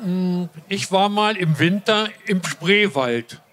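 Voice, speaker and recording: An older man, a grandfather, reading his limericks aloud in a slow, deliberate way. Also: sits high, fairly bright tone. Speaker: limerick reader.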